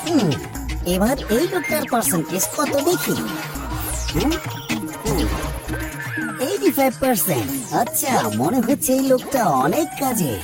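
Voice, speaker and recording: A sneaky male alien from a cartoon, muttering and plotting under his breath, as a woman voices him. The voice sits slightly high and rises and falls a lot. Loud cartoon music plays behind him. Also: big pitch swings, measured pace, long pauses. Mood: scheming. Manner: muttering "hmm" while scheming. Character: scheming male alien researcher, sly. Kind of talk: cartoon dub acting.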